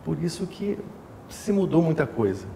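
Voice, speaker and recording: A Carioca man in his forties talks through his beliefs in an indoor temple room, his voice gravelly and mellow. He is thoughtful, pausing on fillers and checking in with tag questions. The sound carries a long room echo and faint hiss. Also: on the high side, very animated. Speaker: umbanda house leader, guest. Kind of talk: explanatory interview talk.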